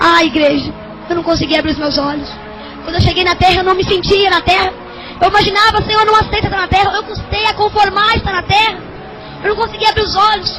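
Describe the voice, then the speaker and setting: Over music in the background, a woman with an extremely high pitch talks at a fairly quick pace. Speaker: evangelical preacher. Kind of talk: testimony. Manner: animated.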